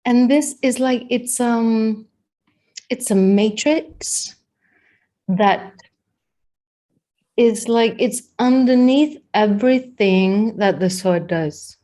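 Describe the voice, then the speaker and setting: A woman with a Danish accent teaching body language in a chatty, unhurried workshop talk, with many fillers and restarts. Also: fairly high pitch, dark tone. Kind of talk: live-streamed workshop talk.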